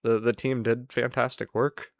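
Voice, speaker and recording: A man's voice: medium pitch, flat delivery, normal speed, creaky, dry recording, dull audio. A man giving a casual, unscripted farewell commentary on a video game, speaking in a downcast, wistful, resigned way. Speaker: gaming channel streamer.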